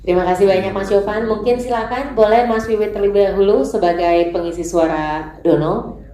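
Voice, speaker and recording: A woman's voice: mid-range voice, steady tone, dark tone. A woman moderating a press conference, politely handing the floor to each speaker. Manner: polite, brisk hand-offs. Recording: echoey hall.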